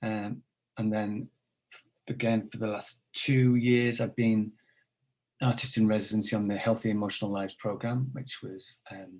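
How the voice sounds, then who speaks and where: This man speaks at a moderate pace in a fairly low, monotone, flat voice. There are long, frequent pauses and big swings in loudness. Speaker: artist and teacher. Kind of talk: interview. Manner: halting.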